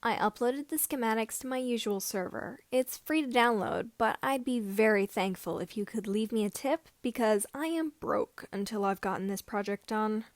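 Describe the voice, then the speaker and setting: A woman's voice: a little high, normal speed, few pauses, no echo, natural voice. A woman voicing a confident, scrappy teenage boy mechanic explaining things informally in a storybook reading. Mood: explaining, earnest. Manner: informal, explanatory video-blogger talk.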